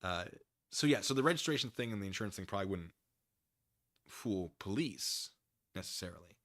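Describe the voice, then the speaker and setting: An American man streaming a dramatic reading of a document, breaking off into wry, excitable, casual asides as he goes. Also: sits low, brisk, no echo, clean studio sound. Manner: animated, wry, digressive, easily excited.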